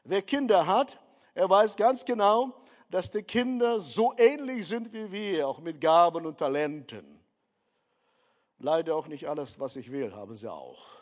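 A man's voice: a little high, animated, measured pace. A man preaching a sermon, emphatic, repeatedly calling his listeners dear friends. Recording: long hall reverb.

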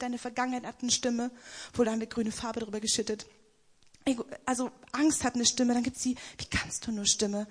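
Young woman with a husky voice. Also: a little high. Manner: emphatic, slows right down for quoted lines. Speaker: speaker giving a testimony. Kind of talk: spoken-word devotional talk.

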